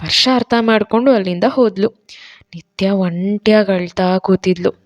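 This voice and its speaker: A woman storyteller narrating an audio love story in a soft, measured way. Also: mid-range voice, lo-fi sound.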